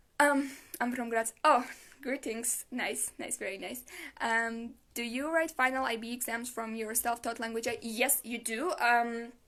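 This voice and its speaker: Speaking with an Armenian accent, a woman talks fairly slowly at a high pitch in a bright, sharp tone with fairly even intonation. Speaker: student alumna answering questions. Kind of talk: live Q&A session. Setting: social media live stream. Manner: hesitant with many fillers.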